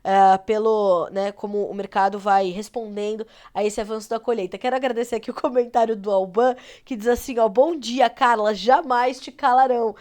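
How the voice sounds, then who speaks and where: A Brazilian woman with a cold anchoring a live agribusiness news show, her voice nasal and congested as she runs through market prices. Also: fairly high pitch. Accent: Brazilian Portuguese. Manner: brisk, reads prices in a steady run.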